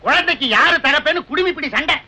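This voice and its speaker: A man trading quick jokes in old film comedy dialogue, sometimes breaking into mock chants. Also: extremely high pitch, bright, forceful tone, rough recording. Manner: fast joking banter, mock chanting. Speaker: comic lover posing as fortune teller.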